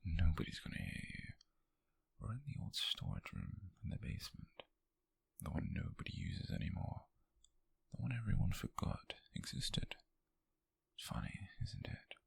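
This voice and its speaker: A British man playing an obsessive, possessive coworker turned tender captor in an ASMR roleplay, speaking in a breathy, gravelly, coaxing hush. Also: low-pitched, no echo, exaggerated voice. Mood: quietly menacing. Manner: slow, coaxing, hushed, intimate with pauses. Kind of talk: whispered ASMR roleplay monologue.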